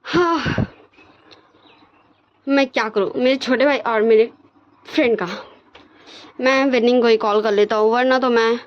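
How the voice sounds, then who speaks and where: A woman's voice: a little high, unhurried, pauses often, lightly acted. A woman voicing a worried young male college student who frets about his brother, in a lo-fi recording.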